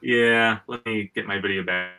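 A man with a lowish but bright, forward voice co-hosts a podcast on a video call. He sounds tired, and his casual talk comes out halting and self-deprecating. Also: steady tone, clear, resonant tone. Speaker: podcast co-host. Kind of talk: casual chat.

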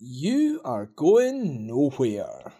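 Woman playing a smooth-talking, apologetic vicar for audio drama: very low, slow, with lively swings. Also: exaggerated voice. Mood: flirtatious. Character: married vicar lover, man, smooth-talking then apologetic.

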